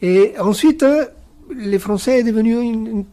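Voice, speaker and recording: Slow, hesitant man, native Spanish speaker. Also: sits high, warm tone. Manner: hesitant, many pauses and fillers; reflective, philosophical. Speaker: guest author on a panel. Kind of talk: round-table discussion.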